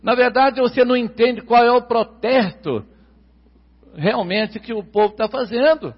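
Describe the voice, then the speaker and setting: A man with a Brazilian Portuguese accent preaching a sermon, emphatic, repeating key words and drawing them out slowly. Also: extremely high pitch, husky. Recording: long hall reverb, dull lo-fi sound.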